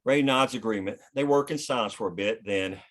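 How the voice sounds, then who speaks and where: A man's voice: on the low side, a little fast. A man reading stage directions as the narrator of a screenplay, in scripted narration.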